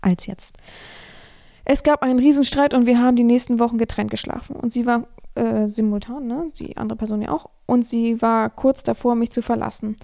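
A hoarse woman hosting a podcast, talking frankly in a casual monologue and reading a listener's letter aloud. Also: on the high side, fairly even intonation, brisk, mellow. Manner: frank, advising listeners directly. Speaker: podcast host.

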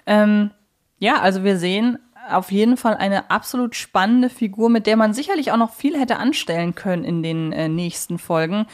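A woman's voice: mid-range voice, normal speed. A woman co-hosting a podcast in a casual, conversational discussion. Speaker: podcast co-host.

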